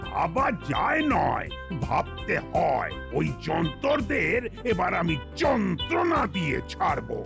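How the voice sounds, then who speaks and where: Blustering, gravelly cartoon police boss. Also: male voice, high voice, huge pitch swings, slow pace, hardly any pauses, exaggerated voice. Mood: angry, blustering. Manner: blustering, stammering. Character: blustering, flustered male police officer boss. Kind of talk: exaggerated cartoon comedy acting. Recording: cartoon music behind the voice.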